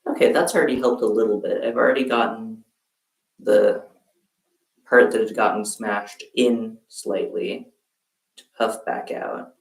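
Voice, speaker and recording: A man streaming a relaxed crafting session from home, chatting with viewers in a halting way while he works. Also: on the low side, gravelly, far from the mic. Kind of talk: casual crafting livestream chat. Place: room at home, quilt behind. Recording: roomy sound from off-mic.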